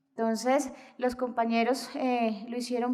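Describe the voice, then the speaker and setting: A woman talks in a high pitch with monotone, flat intonation. Audible room echo surrounds her voice. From Colombian Amazon, La Chorrera. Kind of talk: panel commentary at a lecture. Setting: lecture hall with audience. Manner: hesitant, with fillers.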